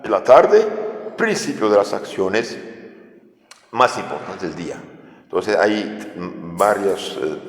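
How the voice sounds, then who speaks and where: Priest with a French accent preaching catechism, deep and animated, recorded in a reverberant hall. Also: male voice. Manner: lively preaching with rhetorical questions. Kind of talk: catechism sermon. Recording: echoey hall.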